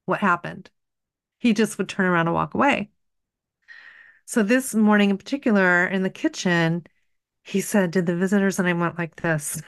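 A woman's voice: mid-range voice, fairly bright tone, smooth, no echo, clean studio sound. A middle-aged woman, a podcast guest, candidly and earnestly recounting a personal story.

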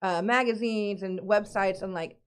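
A woman's voice: medium pitch, steady tone, moderate pace, smooth. A woman co-hosting a casual podcast chat who speaks with a lisp and talks chattily with many fillers. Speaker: podcast co-host.

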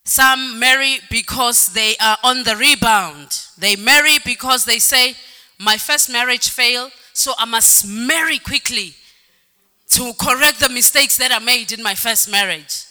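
A woman with a high, sharp voice preaches unhurriedly in a church hall that echoes, faint music in the background. She varies her pace, sings some phrases, and emphasizes points by repeating words and crying "Amen."

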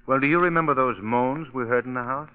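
An actor playing a composed, quietly authoritative gentleman sleuth in an old radio drama, polite and probing. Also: mid-range voice, fast, clear, resonant tone, natural voice. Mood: grave. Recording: muffled old radio recording.

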